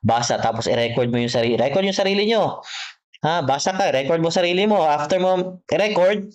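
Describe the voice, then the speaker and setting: A man with a fairly high voice teaches a one-on-one online test prep session at a fairly quick clip, patiently restating each point and checking on his student's understanding. The recording has its high frequencies cut off.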